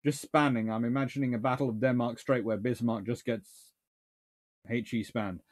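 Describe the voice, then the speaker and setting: A man's voice: mid-range voice, steady tone, normal speed. A man, a naval historian answering viewer questions in a casual live Q&A, rambling and correcting himself as he thinks aloud. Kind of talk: casual livestream Q&A. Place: small home study lined with books.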